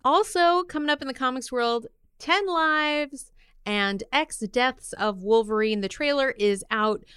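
A woman with a very clear, smooth voice co-hosts an entertainment podcast in a dry, close recording. She talks casually and playfully, with plenty of slang and enthusiasm. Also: sits high, measured pace, fairly bright tone, no echo. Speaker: podcast co-host. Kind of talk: casual upbeat entertainment chat.

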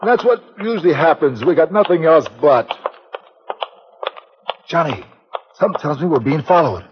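An actor playing a big, dim-witted male strongman who talks slowly and ungrammatically, in 1940s radio acting. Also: on the high side, lively intonation, a little hiss or hum, lightly acted. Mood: grumbling. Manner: slow ungrammatical speech. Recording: dull old radio recording with reverb.

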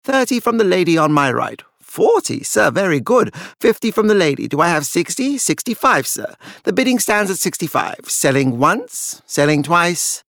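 A man's voice: high voice, sing-song, normal speed, vocal fry, few pauses, fairly bright tone, dry recording, studio quality, pitched above the performer's own voice, heavily acted. A man voicing a formal, unflappable Victorian auctioneer in a gothic audiobook, calling lots and bids in a clipped manner. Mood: brisk, formal.

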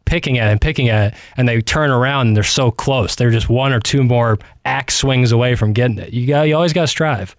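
A man's voice: medium pitch, a little fast, few pauses, dry recording. A man co-hosting sports radio, chatting casually in a self-deprecating, mock-earnest way. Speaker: radio producer and co-host. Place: radio studio. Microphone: close studio microphone.

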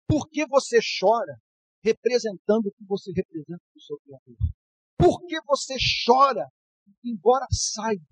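Husky-voiced Brazilian pastor preaching. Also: male voice, high-pitched, no echo, dull audio. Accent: Brazilian Portuguese. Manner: emphatic preaching with sharp swings from loud to hushed. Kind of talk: sermon.

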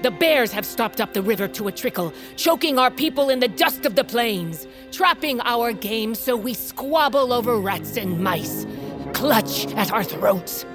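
A woman's voice: fairly high pitch, expressive, measured pace. An actress playing a stern, commanding tribal queen and mother who rallies her people with authoritative speeches. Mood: rousing. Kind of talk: fantasy audio drama acting. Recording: music bed behind voice.

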